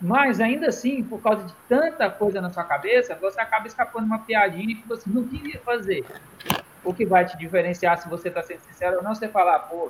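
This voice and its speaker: Against noticeable background noise, a man with a high pitch talks at a fairly quick pace, showing ordinary pitch variation and big swings in loudness. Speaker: costume maker, former metalworker. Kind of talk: casual chat. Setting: live stream.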